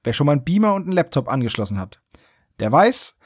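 A man's voice: fairly high pitch, very animated, fast, husky. A man hosting a podcast, recapping a story in a casual, wry, joking way. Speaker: podcast host.

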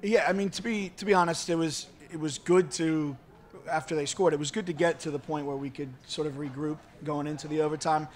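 A middle-aged man, a college soccer head coach, giving measured, halting remarks at a post-match press conference. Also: fairly high pitch, fairly even intonation. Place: indoor press conference room, seated at table. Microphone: handheld-style microphone on table stand.

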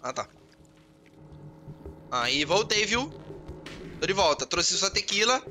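A man with a Brazilian Portuguese accent giving excitable let's play commentary, swearing often and talking to himself and his viewers. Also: high-pitched, slow pace, slight background noise. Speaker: gamer. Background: loud game music.

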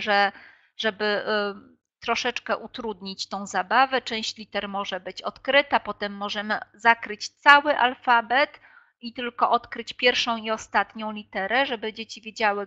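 Bright-voiced woman leading an online workshop. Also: mid-range voice. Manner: hesitant, many filler sounds. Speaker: teacher trainer. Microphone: video call. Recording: dull lo-fi online call audio.

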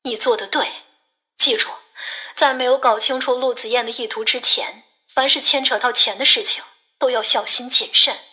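A woman acts out a cautious, shrewd woman in audiobook dialogue. Her voice is high and bright, and she questions and advises in a controlled way. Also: fairly even intonation, moderate pace. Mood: cautious advising.

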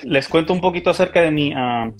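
A man with a Mexican accent, talking as an interview guest over a video call and pausing often on fillers and restarts. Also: fairly high pitch. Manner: hesitant, many fillers and restarts. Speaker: interview guest, micropigmentation artist. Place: small indoor room.

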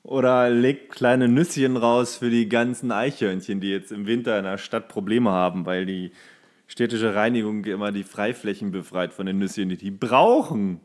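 A man's voice: lowish voice, normal speed. A man co-hosting a podcast, joking flippantly in casual comedic banter. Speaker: podcast co-host.

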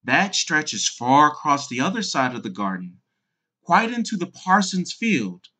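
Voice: medium pitch, big pitch swings, measured pace, sharp tone, exaggerated voice. A narrator voicing a tired, fussy, proud mother duck who chatters fondly and fretfully about her young in a storybook tale. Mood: proud, motherly.

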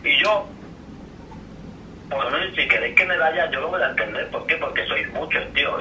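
Sharp Spanish man on a phone speaker. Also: on the high side, normal speed, far from the mic. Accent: Spain. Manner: earnest, apologetic, rambling. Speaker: recipient of a phone call. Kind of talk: casual, emotional phone conversation. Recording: tinny roomy phone speaker, slight noise.

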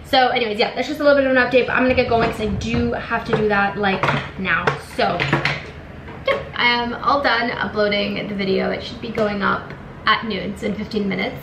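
A woman's voice: mid-range voice, fairly even intonation, fairly quick, vocal fry, echoey room, noisy background. A young woman from Venezuela chatting casually to camera as a lifestyle vlogger, upbeat with many fillers, in her apartment. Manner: chatty, lots of ums and likes, upbeat. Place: bright apartment room, indoors. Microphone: camera in front at desk.

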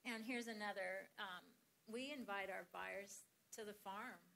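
A woman's voice: medium pitch, measured pace, vocal fry, pushed and bright, rough recording. A woman presenting slides at a farm workshop, talking conversationally with many fillers and restarts.

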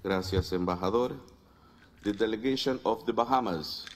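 A man's voice: lowish voice, measured pace. A man speaking formally and courteously as chair, calling out a roll-call vote in procedural announcements. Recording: noisy assembly room sound in played video.

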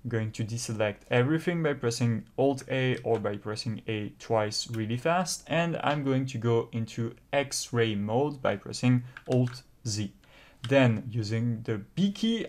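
A man with a French accent talking through a step-by-step software tutorial, explaining carefully with frequent pauses. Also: mid-range voice. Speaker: tutorial host.

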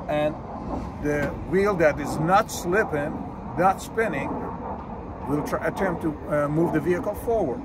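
An older mechanic with a high voice, a master diagnostic technician, goes through car features plainly and methodically, one step at a time, with small slips. Background noise is audible. He starts in an outdoor dealership parking lot and then moves into a car.

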